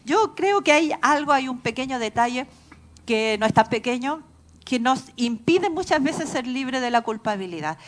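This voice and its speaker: A woman pastor with a Chilean accent preaching a sermon in a church, telling stories earnestly and laughing at herself. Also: high voice.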